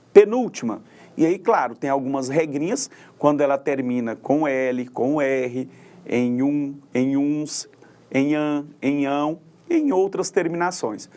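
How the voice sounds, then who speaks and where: A man's voice: a little high, darkish tone. A middle-aged man gives a recorded grammar lesson, explaining patiently and repeating terms, often adding "né" and "ó". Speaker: teacher.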